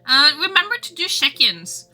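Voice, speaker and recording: A woman's voice: sits high, very animated, moderate pace, pushed and bright, soft background music. A woman livestreamer chatting casually with her viewers in a rambling, exclamatory way. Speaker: livestreamer and game developer.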